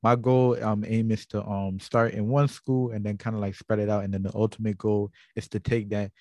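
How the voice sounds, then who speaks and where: A man's voice: lowish voice, little pitch movement, normal speed, warm tone, no echo, clean studio sound. A man from Guyana hosting an interview, talking earnestly and rambling a little with many fillers. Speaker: interview host. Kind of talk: casual interview.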